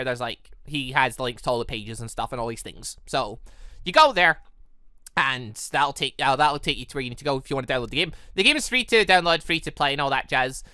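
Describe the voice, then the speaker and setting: Lively, bright-voiced man. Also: fairly high pitch, smooth, dry recording, studio quality. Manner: rambling, repeats and rephrases himself. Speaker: gaming channel host. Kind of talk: casual let's-play commentary.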